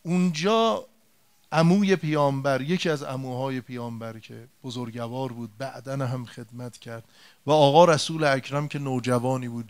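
A man's voice: medium pitch, smooth. A man preaching a religious sermon, retelling an old story in a colloquial way and turning to his listeners with direct rhetorical questions and emphatic repetition.

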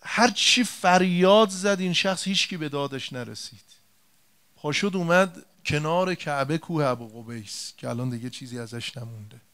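A man's voice: a little high, fairly bright tone. A man preaching a religious sermon, retelling an old story in a colloquial way and turning to his listeners with direct rhetorical questions and emphatic repetition.

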